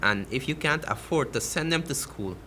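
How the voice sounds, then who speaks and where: A man's voice: a little high, lively intonation, moderate pace, sharp tone, slight background noise. A man with a Guyanese accent speaks as a fishermen's representative on a talk show, emphatic and passionate.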